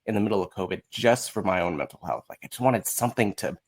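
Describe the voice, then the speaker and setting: A man's voice: fairly low pitch, quick pace, husky. A man in his thirties chatting casually as a guest, rambling and often acting out bits of dialogue. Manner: rambling, often quotes himself and others in dialogue. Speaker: podcast guest, musical writer. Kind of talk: casual chat.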